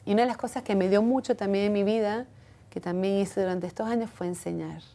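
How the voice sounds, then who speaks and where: A woman talks as an interview guest, earnest and reflective. Her voice is warm and mellow, and her pitch sits in the middle range. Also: steady tone, fast. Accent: foreign accent when speaking Hebrew. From from outside Israel.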